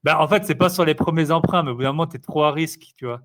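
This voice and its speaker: A man's voice: a little high, quick pace. A man chatting casually as an interview guest, rambling a little and leaning on fillers. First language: French. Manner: rambling, filler-heavy, relaxed. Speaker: interviewee, investor. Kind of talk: casual conversational chat.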